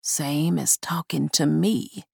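A woman voicing a sinister living wooden doll with a gravelly voice, slow and hushed. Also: sits low, no echo, studio quality, heavily acted. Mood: stern.

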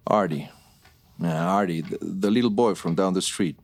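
An actor playing a stern police detective who questions firmly and measuredly, then turns accusing. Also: male voice, low-pitched, moderate pace. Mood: gentle. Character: stern hard-pressing male detective.

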